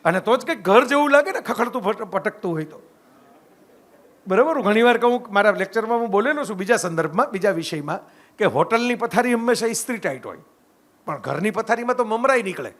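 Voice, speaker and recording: A middle-aged man from Gujarat, India, talks fast in a high-pitched, expressive voice with a fairly bright tone. He delivers a storytelling public talk that weaves stories and reflection together, frequently asking "right?" to engage his listeners.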